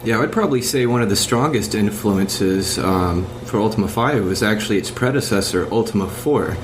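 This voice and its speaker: A man with a low voice talks casually as a podcast panelist. A clear noise like air conditioning runs behind him. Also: normal speed. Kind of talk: casual discussion.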